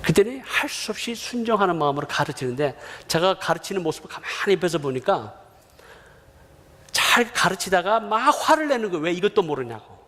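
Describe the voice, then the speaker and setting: Middle-aged guy preaching in a church, high voice, long hall echo, acts out stories. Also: a little fast. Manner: animated storytelling, acting out family dialogue. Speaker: missionary preacher. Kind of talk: sermon. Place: church sanctuary.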